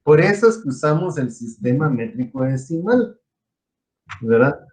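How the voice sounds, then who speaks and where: Man, engineering teacher, explanatory, quizzes students, slightly high voice. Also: very animated, unhurried, darkish tone. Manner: explanatory, asks students questions. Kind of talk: online class lecture.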